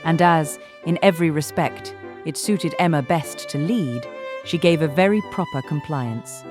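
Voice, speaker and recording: A woman reading literary narration in a measured, formal way as an audiobook narrator. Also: low voice, over music.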